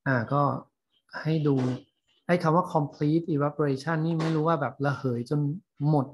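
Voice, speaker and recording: A man teaching a class, explaining English terms in a scientific paper slowly with frequent fillers and pauses. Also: a little high, level tone, a little mellow, slight background noise. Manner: slow, halting, many fillers. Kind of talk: lecture on reading scientific English.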